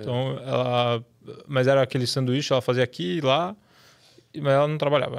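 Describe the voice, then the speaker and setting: A man's medium-pitched voice with ordinary pitch variation, a fairly quick pace and long, frequent pauses. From Brazil, São Paulo. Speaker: startup founder and CEO. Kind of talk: casual interview.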